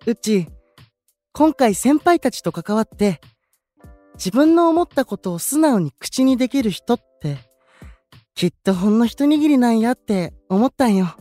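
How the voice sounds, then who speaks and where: A man playing a gentle, candid young male idol with a Kansai accent in an anime-style audio drama, soft-spoken and considerate. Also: very high voice, animated, unhurried, no room sound, soft background music. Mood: earnest, caring.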